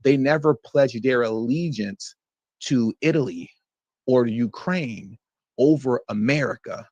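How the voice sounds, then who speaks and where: A man's voice: medium pitch, slow, a little mellow, dry recording, muffled recording. A man hosting a political commentary show, reading out news quotes and answering them with scorn and mocking emphasis.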